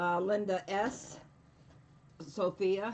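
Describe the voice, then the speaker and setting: A woman speaks loudly at a medium pitch. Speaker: acrylic pouring artist. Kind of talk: live-stream tutorial. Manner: animated.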